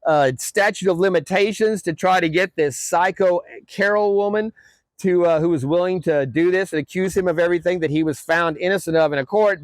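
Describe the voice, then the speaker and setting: A man hosting his own vlog, rambling in casual chat with many fillers and pauses, ranting opinions. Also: fairly high pitch, no echo. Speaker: vlog host.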